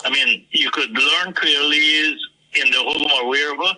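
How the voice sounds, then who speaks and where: A former lecturer from Guyana in an interview clip, speaking emphatically and insistently. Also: male voice, a little high, measured pace, pushed and bright, rough recording. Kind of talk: interview soundbite.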